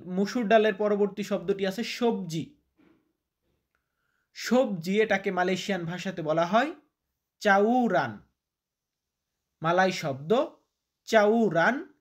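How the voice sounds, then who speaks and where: Slow, patient teacher. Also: male voice, sits high. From Bangladesh. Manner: repeats each word, quizzes listener. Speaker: language teacher. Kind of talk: vocabulary lesson.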